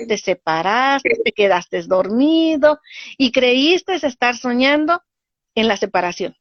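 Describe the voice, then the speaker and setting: Animated woman teaching, lo-fi. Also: a little high, dry recording. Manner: animated, acts out voices in dialogue. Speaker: spiritual teacher. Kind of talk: teaching talk. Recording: dull lo-fi dry sound.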